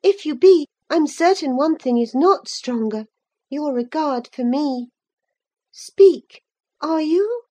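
A woman's voice: animated, slow, dark tone. A woman reading a novel aloud, voicing a spirited, impatient young woman in a raised, insistent tone. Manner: high, eager and insistent. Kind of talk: audiobook character voice.

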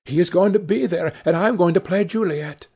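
A man's voice: sits high, fairly quick, gravelly, darkish tone, breathy edge, pitched above the performer's own voice, heavily acted. A man reading aloud, voicing an eager, dreamy young woman in love with a breathless, gushing manner. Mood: rapturous.

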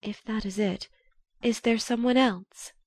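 A woman voicing a composed, dignified young society woman who speaks softly and earnestly. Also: fairly high pitch, steady tone, measured pace, dry recording, clean studio sound, pitched above the performer's own voice.

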